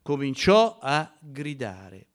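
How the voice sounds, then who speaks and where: A male pastor preaching a sermon in a church, emphatic, swinging from loud cries to near whispers. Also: a little high, sing-song, takes it slowly.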